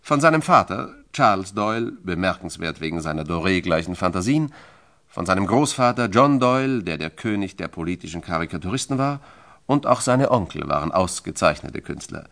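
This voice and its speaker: A man's voice: sits low, lively intonation, fairly quick, a bit bright. A man narrating a biography from a script in a dramatic, emphatic and solemn storytelling style.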